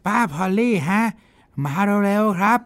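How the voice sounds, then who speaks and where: A woman's voice: fairly low pitch, a little slow, close to an everyday voice. A woman as an anxious pleading young boy. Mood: worried. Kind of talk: audiobook role reading.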